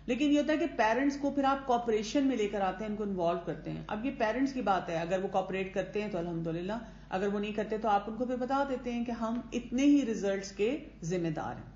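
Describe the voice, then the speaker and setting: A woman's voice: medium pitch, few pauses, a little mellow, slight background noise. A woman gives a conversational lecture to teachers, mixing English words into her speech and acting out the lines of parents and teachers. The recording sounds echoey and dull, like a lo-fi capture in a reverberant room. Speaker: teacher trainer.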